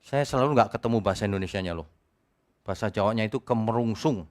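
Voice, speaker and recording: A male pastor preaching a sermon in a church service, talking in a joking, conversational way that swings between loud exclamations and quiet asides. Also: fairly low pitch, quick pace.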